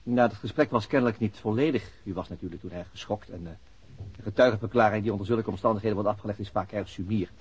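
Husky, quick-talking police chief inspector. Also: male voice, on the low side. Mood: polite, official. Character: unhurried, methodical male police chief inspector. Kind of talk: radio drama acting. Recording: dull lo-fi radio drama recording.

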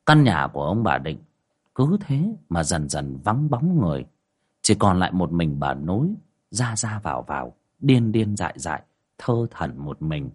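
A man narrating a ghost story in a hushed, dramatic way. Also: sits low, big pitch swings, normal speed, breathy edge.

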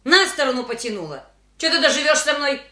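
An actress playing a resentful, sharp-tongued wife who scolds sarcastically in a radio play. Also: female voice, high-pitched, sing-song, brisk, echoey room, heavily acted. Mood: scornful.

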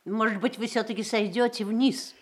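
Сдержанная женщина с высоким голосом, говорит укоризненно актриса. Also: female voice, on the high side, fairly even intonation, moderate pace, lightly acted. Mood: polite insistence. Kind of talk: Russian radio theatre acting.

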